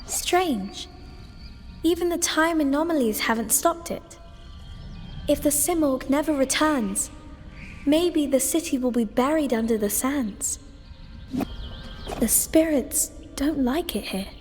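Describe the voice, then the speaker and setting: High, dreamy little child. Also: female voice, slow pace, pauses often. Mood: musing. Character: curious, wistful, otherworldly little child. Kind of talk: video game voice acting. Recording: long reverb, faint music behind.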